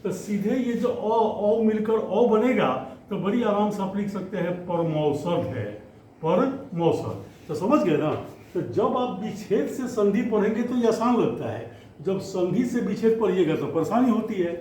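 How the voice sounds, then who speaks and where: A man teaching Hindi grammar to students, explaining slowly and often stretching out words as he goes. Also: high-pitched, lively intonation, a little mellow, slight background noise. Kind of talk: classroom lesson. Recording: echoey room, faint ambience.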